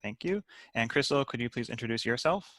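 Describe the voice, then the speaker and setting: Bright-voiced man reading stage directions. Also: medium pitch, lively intonation, a little fast, no room sound, clean studio sound. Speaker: host, writer and stage directions reader. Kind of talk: scripted narration of stage directions.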